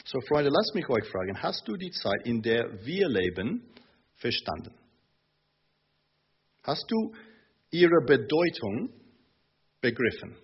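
A man preaching a sermon in a church, slow and emphatic with hesitant fillers. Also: mid-range voice, big pitch swings, slightly rough. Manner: hesitant fillers between phrases. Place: church in Munich. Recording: dull lo-fi sermon recording.

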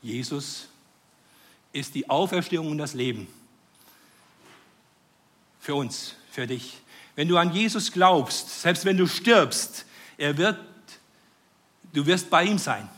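A man preaching a sermon, earnest and fervent, rising to joyful excitement with hesitant restarts. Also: a little high, slow, long pauses. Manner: earnest, rises to joyful fervor.

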